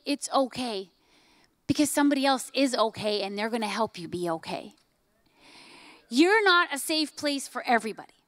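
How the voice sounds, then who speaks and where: Woman pastor in her forties, bright-pitched and emphatic, preaching on stage with a handheld mic, dry close sound. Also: no echo. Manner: emphatic, rising and dropping to soft hushed lines. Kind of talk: sermon. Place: church stage, large hall.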